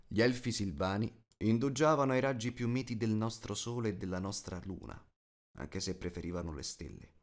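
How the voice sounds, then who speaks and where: A male narrator reads a fantasy audiobook in a fairly low voice. The delivery is scripted storytelling.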